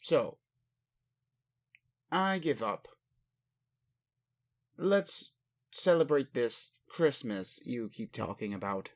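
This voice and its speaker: A man acts out a male alien caretaker from a roleplay audio, talking slowly in a mid-pitched voice. He is formal and halting, endlessly puzzled by human ways. He questions the listener in a literal-minded but caring manner. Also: big pitch swings. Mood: curious, yielding.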